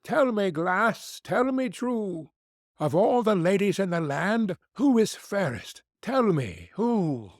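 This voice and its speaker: A vain, jealous queen demanding answers from her mirror, as a man reading the tale puts her on. Her lines are slow, drawn out and pitched well above his usual voice. The sound is dry and close. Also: sing-song, dry recording, full character voice.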